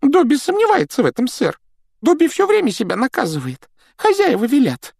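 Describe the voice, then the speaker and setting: A shrill, self-pitying house-elf; squealing, wildly swooping pitch. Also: male voice, wildly swooping pitch, brisk, creaky, a little mellow, breathy edge, no room sound, clean studio sound, full character voice. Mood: pleading, fervent. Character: shrill tearful male house-elf servant, groveling. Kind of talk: audiobook character voice.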